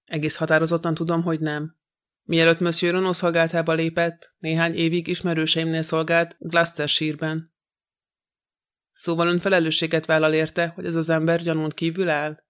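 A man reading a detective novel aloud as an audiobook narrator, in a measured, even way. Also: smooth. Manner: even, measured reading with little pitch movement.

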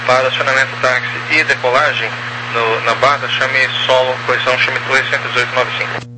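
A man with a mid-pitched voice issues clearances as an air traffic controller. His phrasing is clipped and procedural, and it comes through a crackly, noisy radio channel. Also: level tone, brisk. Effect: crackly radio transmission.

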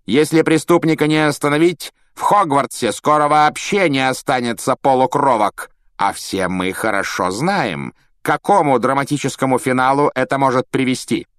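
A man's voice: medium pitch, normal speed, hardly any pauses, a bit bright, no room sound, clean studio sound, pitched above the performer's own voice, close to an everyday voice. A man voicing a haughty, contemptuous aristocratic man with a sneering, theatrical drawl.

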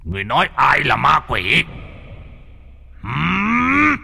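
A man's voice: on the high side, huge pitch swings, slow pace, gravelly, bright, forceful tone, husky, in a large hall, voice pushed up, heavily acted. A man voicing an imperious male demon jailer lord who gives cold, commanding threats. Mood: menacing.

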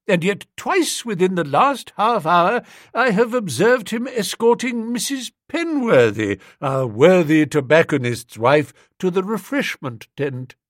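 A man's voice: on the high side, no room sound, clean studio sound. A man playing a jovial, pompous elderly vicar who speaks in effusive, long-winded phrases.

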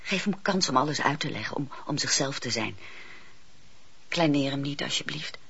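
An actress playing a passionate, earnest wife with an emotional, halting manner in a radio play. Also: female voice, very deep voice, lively intonation, gravelly, fairly bright tone, breathy edge, exaggerated voice. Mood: pleading. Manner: emotional, halting when pressed. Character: passionate, earnest wife pleading with her husband. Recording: dull lo-fi radio play recording.

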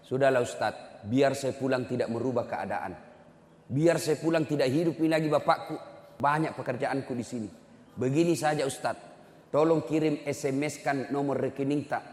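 A man's voice: mid-range voice, moderate pace, a little mellow, lightly acted. A man voicing an offhand, busy businessman son. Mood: dismissive. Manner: offhand, dismissive. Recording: echoey hall reverb.

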